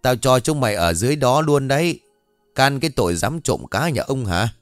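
A man voicing a cranky old villager in his seventies who holds grudges and shouts and gloats at two boys. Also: medium pitch, big pitch swings, brisk, no echo, studio quality, faint music behind, close to an everyday voice. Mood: gloating.

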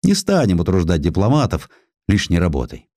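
Man as a resolute, low-voiced Russian naval commander. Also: wildly swooping pitch, a little fast, mellow, dry recording, heavily acted. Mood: formal defiance. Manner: firm, commanding, formal. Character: resolute Russian destroyer commander, proud and defiant.

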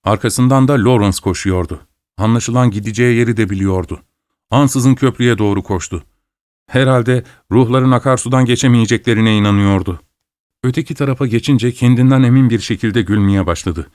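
Man reading a dark story aloud. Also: medium pitch, a little fast, no echo, clean studio sound. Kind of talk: read-aloud story narration.

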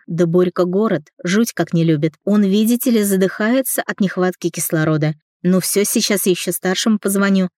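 A woman voicing a loud, bossy, fast-talking middle-aged mother in a storybook reading. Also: fairly low pitch, dry recording, studio quality, lightly acted. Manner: shouting, rapid chatter.

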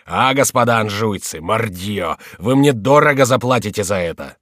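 A man's voice: on the low side, moderate pace, no room sound, studio quality, lightly acted. A man voicing a volatile, anguished adult male king in a storybook reading. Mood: agitated. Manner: agitated, imploring, wrathful.

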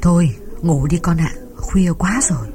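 Man putting on a sad old mom voice, soft and gruff, hushing her kid, music under it. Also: high voice, lively intonation, a little fast, pitched above the performer's own voice. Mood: soothing. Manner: sorrowful, scolding but comforting. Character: weary older village mother, soothing and gruff. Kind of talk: audiobook character voice. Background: background music.

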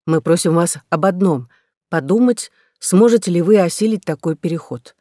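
A man's voice: sits high, moderate pace, warm tone, dry recording, clean studio sound, close to an everyday voice. A man voicing a determined young woman settler, speaking earnestly and persuasively.

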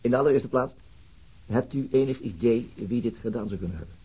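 Husky, mellow police chief inspector. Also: male voice, medium pitch, fairly quick, dull audio. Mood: patient probing. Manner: hesitant, polite. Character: calm, tactful male police chief inspector questioning gently. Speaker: actor in radio crime drama. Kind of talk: naturalistic radio drama acting.

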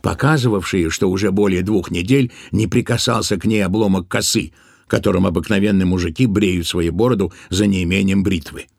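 A man's voice: low voice, fairly quick, creaky, darkish tone, no room sound, clean studio sound. A man narrating a literary tale as the storyteller of an audio play.

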